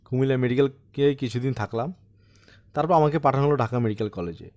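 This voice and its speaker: A man's voice: mid-range voice, quick pace, darkish tone, lo-fi sound, lightly acted. Audiobook role: troubled man of sixty-seven, self-deprecating yet insistent, telling his eerie tale, played by a male reader. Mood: rueful, matter-of-fact. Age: 60s. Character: troubled 67-year-old man recounting his eerie haunting. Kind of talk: dramatised audiobook storytelling.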